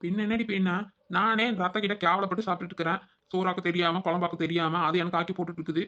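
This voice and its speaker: A woman voicing a bold, sharp-tongued young village wife, in a cartoon. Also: on the low side, level tone, rapid-fire, lightly acted. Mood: indignant. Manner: scolding, sassy. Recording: dull lo-fi audio.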